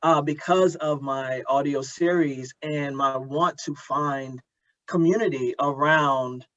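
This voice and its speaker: Male interviewer, fairly high-pitched, earnest and halting, recorded dry and a bit muffled. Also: fairly even intonation, sharp tone, no room sound. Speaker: podcast host, interviewer. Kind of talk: thoughtful conversational interview.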